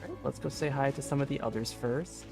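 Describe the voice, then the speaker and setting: A man's voice: medium pitch, fairly quick, gravelly, over loud music. A man giving casual live commentary as a game streamer.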